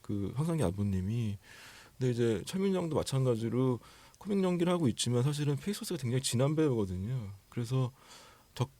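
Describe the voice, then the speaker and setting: Give me a measured male director in an interview, close and dry. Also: mid-range voice, very animated, warm tone, no echo. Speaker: film director.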